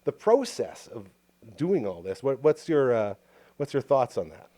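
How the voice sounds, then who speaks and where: Male Canadian podcast host, home studio, enthusiastic, rambling and jokey, average pitch. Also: sing-song, a little slow, mellow. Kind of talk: casual interview chat. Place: home recording studio booth.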